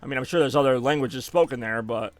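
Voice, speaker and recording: Quick and mid-range, this American man's voice carries over soft background music with no echo. He's streaming a game, chatting loosely and rambling, catching his own mistakes and reacting each time he dies.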